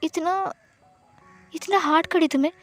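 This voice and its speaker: A woman's voice: very high-pitched, a little slow, faint music behind, pitched above the performer's own voice. A woman voicing a caring, protective young man who coaxes and soothes, in a storybook reading. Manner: soothing, coaxing questions.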